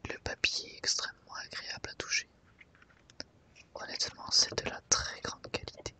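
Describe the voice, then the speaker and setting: Whispering woman, ASMR host. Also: moderate pace. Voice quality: soft breathy whisper. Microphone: microphone set slightly off to the side.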